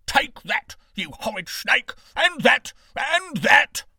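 A blustering beggar in rags from a storybook tale, as a man puts him on, loud and raised in pitch. His shouting sounds dry and close. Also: wildly swooping pitch, moderate pace, no room sound, exaggerated voice. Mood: angry. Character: ragged, bad-tempered male beggar.

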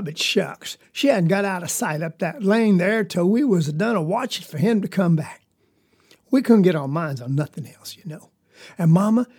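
A man's voice: high-pitched, vocal fry, darkish tone, breathy edge, exaggerated voice. A man telling as an earnest poor Southern boy. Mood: eager. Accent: rural Southern US. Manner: folksy drawl, rambling. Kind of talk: storytelling monologue.

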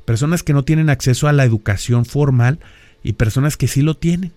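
With a mid-range, dark voice and a slightly fast pace, a middle-aged podcast host lectures through his ideas, sprinkling in rhetorical questions and "¿verdad?". He is from Mexico and has a northern Monterrey accent, and the recording has no echo.

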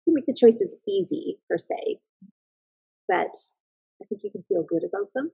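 A woman's voice: medium pitch, sing-song, normal speed, gravelly, dark tone, breathy edge, no echo. A woman in her thirties, a mother and business owner, speaking as a podcast guest in a thoughtful, earnest way, often restarting her sentences. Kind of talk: casual reflective interview talk. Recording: slightly dull, lo-fi sound.

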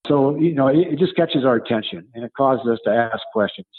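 Man in his seventies, husky tone, halting conversational explaining, repeated words, dull narrow-band recording. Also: mid-range voice. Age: 70s. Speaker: coach and book author. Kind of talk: interview answer, conversational explaining.

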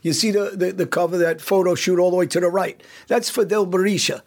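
A man's voice: sits high, fairly even intonation, brisk. A man hosting a podcast in casual chat, blunt and emphatic, often restarting his sentences. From United States. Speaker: podcast host.

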